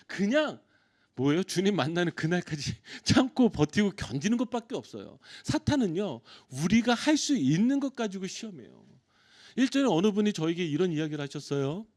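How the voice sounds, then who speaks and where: Pastor guy preaching in church, high voice that swings all over, keeps asking the congregation stuff. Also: darkish tone. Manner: emphatic preaching, asks the congregation questions. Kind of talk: expository sermon. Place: church sanctuary.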